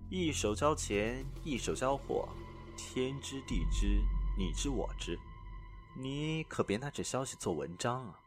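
A man playing a wary, greedy black-market broker in a radio drama, husky and hesitant. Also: mid-range voice, expressive, soft background music, lightly acted. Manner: hesitant, drawn-out, cagey. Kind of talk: Chinese radio drama acting.

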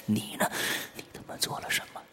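A man's voice: a bit bright, natural voice. A man voicing a crazed snarling madman. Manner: hoarse growling, manic laughter, swings from roars to hisses. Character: deranged middle-aged man, snarling and vengeful.

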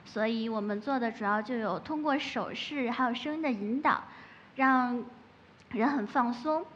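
Woman w a high voice explaining asmr on stage, lively and playful, echoey hall, kinda muffled sound. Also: normal speed, a little hiss or hum. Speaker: ASMR creator giving a stage talk. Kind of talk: public talk.

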